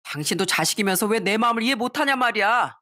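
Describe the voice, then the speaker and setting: An angry young husband, as a woman puts him on, argues in a loud, defensive bluster. He shouts back as if wronged and refuses to back down. This is storybook drama read aloud. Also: a little high, animated, quick pace, no room sound, studio quality. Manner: shouting, indignant.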